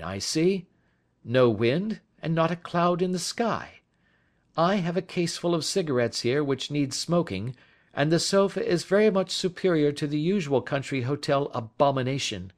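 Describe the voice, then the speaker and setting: Dry, composed gentleman detective for a storybook reading, with a male narrator doing him, voice lifted a little. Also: fairly high pitch, big pitch swings, a little slow, pitched above the performer's own voice. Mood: wry. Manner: dry, offhand. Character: calm, wry gentleman detective.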